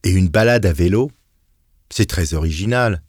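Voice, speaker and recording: A man's voice: low voice, normal speed, no echo, clean studio sound. An actor playing a young man who leaves an eager voicemail message for a friend, in a scripted exam recording. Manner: eager, lively, clearly paced scripted delivery. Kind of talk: scripted listening-exam dialogue.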